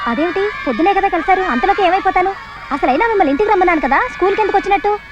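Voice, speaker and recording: An actress playing a sharp-tongued young schoolteacher who answers curtly and scolds in comic film dialogue. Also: female voice, very high-pitched, lively intonation, racing, background noise. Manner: scolding, curt. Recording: dull film soundtrack with music.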